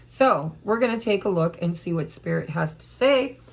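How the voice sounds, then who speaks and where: A woman doing a casual tarot reading to camera, hoarse from allergies, chatty and meandering as she thinks aloud. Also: on the low side, expressive, moderate pace, poor audio. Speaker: tarot reader.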